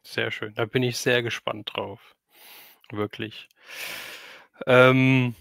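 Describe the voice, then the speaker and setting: A man's voice: medium pitch, creaky, a bit bright, no echo, studio quality. A man hosting a casual livestream interview, informal and thinking aloud as he puts his questions.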